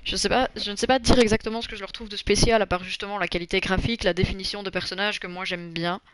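A woman talks through a narrative game as she streams it. She is relaxed and chatty, but pauses often to search for words and then corrects herself mid-sentence. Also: medium pitch, a crowd in the background. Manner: hesitant, many fillers and self-corrections. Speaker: gameplay streamer. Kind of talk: casual gameplay commentary.

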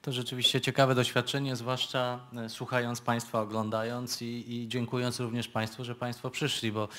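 A man speaking as a guest author, giving an unscripted, halting answer with repeated words. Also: mid-range voice, little pitch movement, fairly bright tone. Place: radio studio with live audience.

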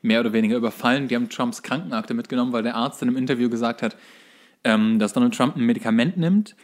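Guy co-hosting a podcast, mid-pitched voice, dry jokey sarcastic banter. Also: quick pace. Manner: wry, joking, sarcastic. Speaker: podcast co-host. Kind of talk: casual chat.

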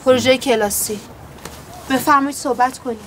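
Young woman, actress playing a sarcastic student in a TV comedy, impatient, slightly high voice, clear background noise. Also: steady tone, lightly acted.

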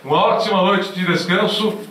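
A man's voice: high-pitched, normal speed, very noisy. A man hosting a formal event, making courteous closing announcements in a large auditorium. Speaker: event host. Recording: echoey hall from far off.

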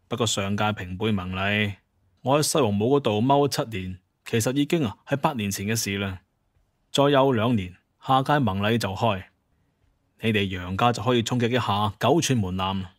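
An actor playing a confident, courteous but authoritative chief of monster hunters in an audio drama, talking in a measured, explanatory way. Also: male voice, lowish voice, no echo, clean studio sound, lightly acted. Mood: persuasive, explaining. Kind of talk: Cantonese audio drama dialogue.

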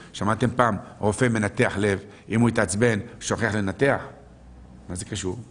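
Low, gravelly rabbi preaching a sermon. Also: male voice. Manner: asks the audience rhetorical questions and answers them; quotes verses and sages. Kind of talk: live Torah sermon.

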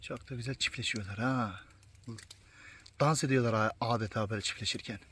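A man vlogging outdoors in the countryside, filming on a handheld camera and talking in a soothing, hushing, coaxing way. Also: mid-range voice, brisk, breathy edge. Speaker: wildlife vlogger. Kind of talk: casual outdoor filming commentary.

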